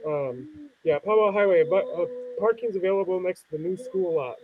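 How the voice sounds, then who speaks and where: High-voiced halting man, thin phone-like sound. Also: expressive, noisy background. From Minnesota, United States. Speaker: event organiser. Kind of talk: casual informal announcement.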